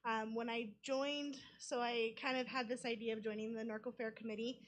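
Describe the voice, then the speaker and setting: A woman's voice: a little high, little pitch movement, normal speed. A young woman giving an informal presentation as a committee member at a public meeting. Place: council meeting room.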